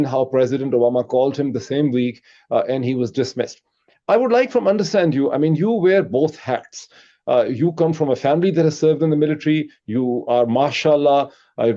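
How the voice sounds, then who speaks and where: Halting interviewer with a mellow voice. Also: male voice, fairly high pitch, muffled recording. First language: Urdu. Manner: halting, many fillers and stammers. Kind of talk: interview questions.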